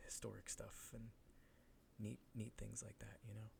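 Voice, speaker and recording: Soft-spoken words come out as a whisper. The pace is moderate. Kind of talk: ASMR book triggers, casual talk to camera with tapping. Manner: soft-spoken, whispered.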